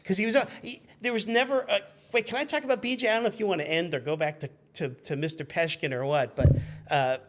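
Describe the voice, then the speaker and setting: A man in his fifties telling casual anecdotes as a guest, in an animated, rambling way, acting out what people said. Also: high-pitched, quick pace, few pauses. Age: 50s. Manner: animated, rambling, acts out remembered quotes.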